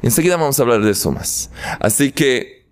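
A man giving a spiritual lesson with jokes in a lively storytelling manner. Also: mid-range voice, brisk, clear, resonant tone. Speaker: religious teacher. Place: in Jerusalem.

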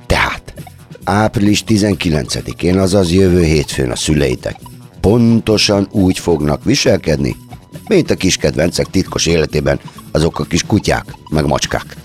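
A man's voice: deep voice, lively intonation, soft background music. A man hosting a radio show, delivering a playful, mock-solemn comic monologue addressed to children.

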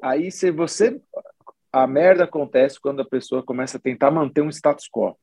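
Gravelly-voiced musician. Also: male voice, medium pitch, normal speed, no echo, studio quality. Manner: relaxed, rambling, full of slang and restarts. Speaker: musician guest. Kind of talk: casual interview chat.

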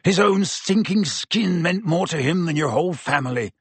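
Guy doing an angry vengeful man in an audiobook, gravelly and snarling, swings up and down, menacing. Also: mid-range voice, sing-song, unhurried, no room sound, exaggerated voice. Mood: snarling anger. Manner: roaring, snarling, growling.

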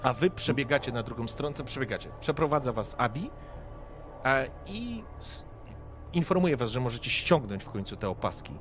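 A man's voice: medium pitch, lively intonation, normal speed, over music. A man running a tabletop game as game master, describing scenes directly to the players with frequent hesitations.

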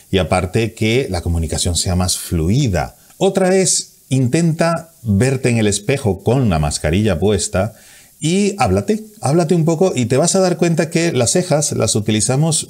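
A man with a fairly low, mellow voice gives communication tips straight to camera. He talks with energy, acting out examples and crisply stressing his consonants. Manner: energetic, acts out examples with hands; stresses consonants, slows down to demonstrate. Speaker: communication coach.

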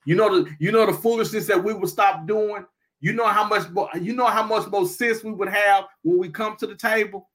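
A man in his fifties with a high, bright, ringing voice co-hosts a casual talk show. He drives each point home with emphatic repetition, circling back to the same line until it lands. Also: fairly even intonation, a little fast. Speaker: podcast co-host. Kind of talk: casual opinion chat.

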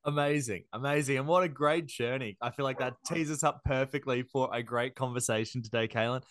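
A man's voice: mid-range voice, fairly quick, a bit bright, no room sound. A man hosting a podcast, friendly and enthusiastic, with the odd filler. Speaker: podcast host.

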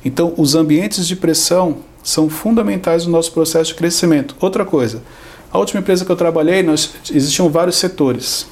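A man's voice: a little high, a little fast, darkish tone. A Brazilian man on a podcast, teaching in a conversational way, explaining with everyday examples and acting out quotes. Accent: Brazilian Portuguese. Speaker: podcast guest.

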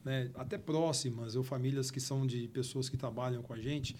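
A man's voice: medium pitch, fairly even intonation, fairly quick, a little mellow, a little hiss or hum. A man hosting a conversation, echoing his guest and adding "né" to his sentences. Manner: affirming, echoes the guest, frequent "né". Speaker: host. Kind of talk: conversational interview.

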